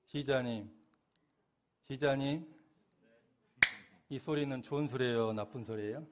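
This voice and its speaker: Male minister, middle-aged, mid-pitched. Delivers a questioning, conversational sermon. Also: measured pace, a little mellow, slight background noise. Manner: asks questions and answers them himself, laughing now and then. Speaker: Won Buddhist minister.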